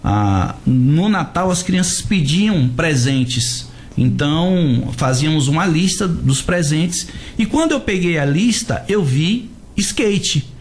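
A man's voice: a little high, animated, takes it slowly. Bahian man telling stories, noisy background. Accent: Bahian Brazilian. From Salvador, Bahia, Brazil. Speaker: guest, pastor and skate ministry leader. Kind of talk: conversational storytelling in a radio interview.

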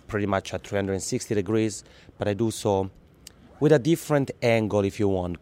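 Lowish-voiced Italian-Swiss man, lively. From Italian-speaking Switzerland. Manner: lively, laughs easily, repeats words when restarting. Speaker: podcast guest. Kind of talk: casual interview.

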